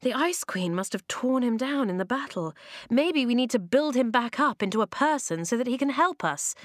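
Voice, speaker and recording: A woman's voice: fairly high pitch, animated, normal speed, no room sound, pitched above the performer's own voice, natural voice. A practical young boy, voiced by a woman narrator, sounds earnest and puzzled. He talks urgently, as a storybook adventurer, in a very dry recording. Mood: reasoning. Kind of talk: children's audiobook character voice.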